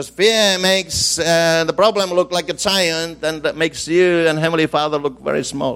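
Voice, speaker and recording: Fairly slow speech from a man with a high pitch, fairly even intonation and hardly any pauses, over noticeable background noise. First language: English (speaking Japanese). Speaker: missionary preacher. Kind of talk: sermon delivered through an interpreter. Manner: halting, in short phrases for interpretation.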